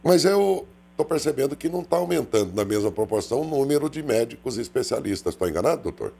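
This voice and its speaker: A man hosting a radio interview, courteous and measured. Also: mid-range voice, sing-song, vocal fry, mellow, husky. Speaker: radio host.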